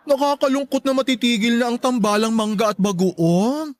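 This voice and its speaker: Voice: medium pitch, normal speed, dry recording, lightly acted. A performer playing a flamboyant, teasing gay best friend in a Filipino radio drama, with a campy, exclamatory delivery. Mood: excited. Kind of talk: Tagalog radio drama acting.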